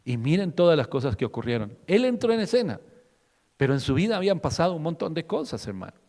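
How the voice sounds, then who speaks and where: A man's voice: fairly high pitch, big pitch swings, quick pace, a little mellow, long reverb tail. A man preaching a fervent radio sermon, asking rhetorical questions and acting out quotes. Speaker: pastor.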